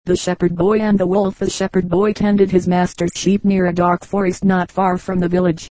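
A woman reading fables aloud in a measured, even storybook narration. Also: lowish voice, no echo, rough recording. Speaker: audiobook reader.

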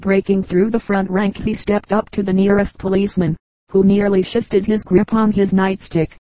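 A woman reading a novel aloud in a steady, measured narration. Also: mid-range voice, no echo, poor audio. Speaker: audiobook reader. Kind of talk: scripted narration.

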